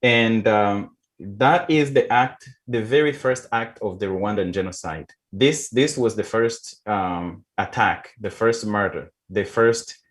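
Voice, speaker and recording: A man hosting an interview show, speaking in deliberate, halting phrases and explaining things for the audience. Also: fairly low pitch. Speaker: talk show host.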